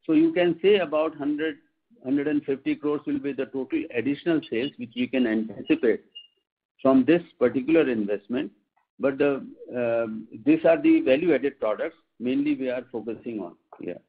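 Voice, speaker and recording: A company executive with an Indian accent answers questions on an earnings conference call in a measured, formal, explanatory way. His voice is mid-range with a breathy edge. The audio comes through a muffled, tinny phone line.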